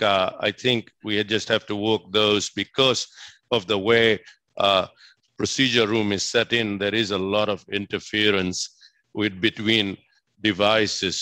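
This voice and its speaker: A man's voice: lowish voice, pushed and bright, no echo. A man from Fiji speaking as a physician answering questions, enthusiastic and emphatic, often repeating himself. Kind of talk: spoken question-and-answer at a presentation.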